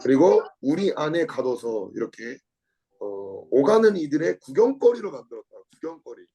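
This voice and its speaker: A man's voice: big pitch swings, normal speed, poor audio. A man teaching a Bible lesson, reading a book aloud and adding commentary, repeating key words and asking his listeners questions, with sudden bursts when he acts out the quotes. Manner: dramatizes quotes with sudden shifts in pitch and loudness. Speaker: Bible study lecturer.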